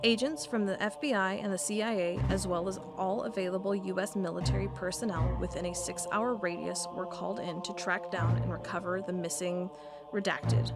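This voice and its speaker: An actress playing a determined federal agent, reading a case report earnestly over music. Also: female voice, lowish voice, moderate pace, lightly acted. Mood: formal. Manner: earnest, intent, reads formally. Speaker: investigating agent. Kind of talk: audio drama monologue reading a report. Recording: music bed under voice.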